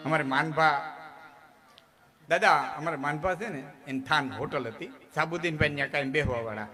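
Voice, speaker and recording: A man's voice: on the high side, normal speed, bright, forceful tone, faint music behind. A man with a Kathiawadi Gujarati accent telling humorous folk stories on stage, chatty and jokey, often checking in with his listeners. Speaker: folk storyteller. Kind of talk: live humorous folk storytelling. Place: stage before a live audience. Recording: live audience noise. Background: crowd.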